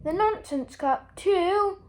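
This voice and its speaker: A woman's voice: very high voice, lively intonation, slow, darkish tone, pitched above the performer's own voice, full character voice. A woman voicing a pompous king from a children's storybook, announcing in a grand, declamatory manner. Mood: ceremonious. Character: pompous, ceremonious male king of a nonsense land.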